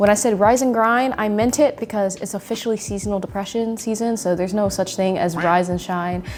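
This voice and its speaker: Speaking in an American accent, a woman is heard over noticeable background noise. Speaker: lifestyle vlogger. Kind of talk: casual vlog chat. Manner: animated.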